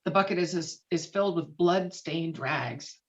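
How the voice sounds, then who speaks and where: A woman's voice: lowish voice, normal speed. A woman narrating scripted stage directions at a virtual table read. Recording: dull lo-fi video call audio.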